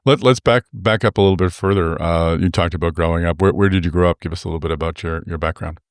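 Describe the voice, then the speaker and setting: A man's voice: low-pitched, steady tone, quick pace, smooth, no room sound, studio quality. A man hosting a podcast interview, asking long rambling questions full of fillers and restarts. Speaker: podcast host.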